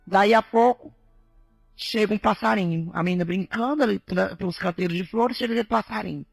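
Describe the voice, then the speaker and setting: A woman missionary telling her testimony as an animated sermon, often addressing the listeners as brothers. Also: mid-range voice, brisk, vocal fry, dry recording, soft background music. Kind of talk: preaching testimony to a congregation.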